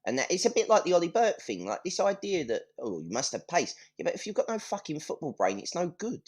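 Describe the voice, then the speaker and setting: A man's voice: fairly high pitch, big pitch swings, fast talker, a little mellow, breathy edge. Blunt, sweary man chatting football. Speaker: football fan guest on a podcast. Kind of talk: casual football chat.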